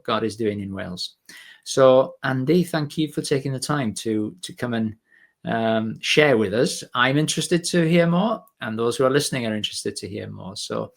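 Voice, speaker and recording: Male interviewer with a creaky voice. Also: medium pitch. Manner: chatty, hesitant, softens questions with tag questions. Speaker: interviewer, host. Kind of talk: conversational interview.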